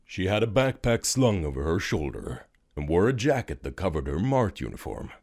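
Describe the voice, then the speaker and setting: A man narrating a scripted audio drama story in a dramatic, expressive storytelling manner. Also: deep voice, normal speed. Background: music.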